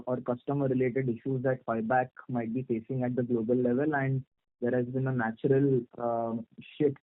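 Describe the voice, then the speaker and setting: Indian man on a muffled phone line. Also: mid-range voice. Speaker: analyst asking questions. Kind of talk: formal earnings-call questioning. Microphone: phone call.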